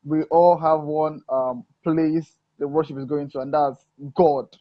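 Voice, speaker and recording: A man from Africa, a gospel singer, talking in a casual interview with an earnest, preacherly manner, often pausing on "um" and "you know". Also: on the high side, fairly even intonation, dry recording. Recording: muffled dull sound, dry.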